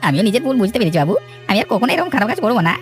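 A man's voice: high-pitched, big pitch swings, very fast, soft background music. A man playing a sheepish village swindler in a cartoon moral story, pleading and rueful. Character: sheepish male village swindler turned remorseful beggar. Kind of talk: Bengali moral cartoon dubbing.

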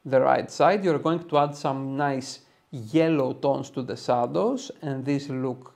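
A man's voice: medium pitch, takes it slowly, vocal fry, darkish tone. A man in his thirties with a Greek accent, giving an enthusiastic step-by-step tutorial to viewers. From Greece. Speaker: photo editing tutorial host. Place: small room, home studio.

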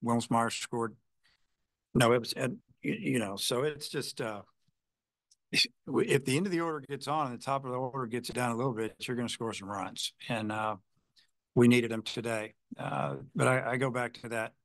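After a game, a male baseball head coach fields reporters' questions, rambling with plenty of "you know" fillers and restarts. His medium-pitched voice is gravelly and a little bright, moving at a normal speed in a dry recording.

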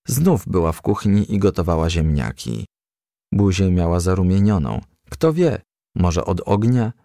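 A man narrating a children's storybook in an expressive, scripted reading style. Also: sits low, gravelly, dry recording, studio quality. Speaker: audiobook narrator.

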